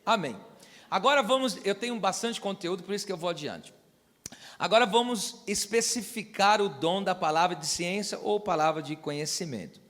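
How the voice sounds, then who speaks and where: A man's voice: high-pitched, animated, normal speed, a bit bright, big-room sound. A man preaching a sermon as pastor, teaching and asking the congregation to repeat after him. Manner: teaching, asks the church to repeat phrases and check understanding. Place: church hall.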